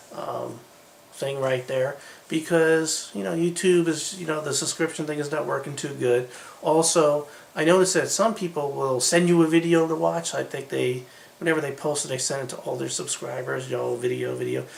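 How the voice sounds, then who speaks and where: Amid noticeable background noise, a man mumbles at a moderate pace. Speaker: preparedness gear video blogger. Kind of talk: casual video monologue. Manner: mumbling; halting, many fillers.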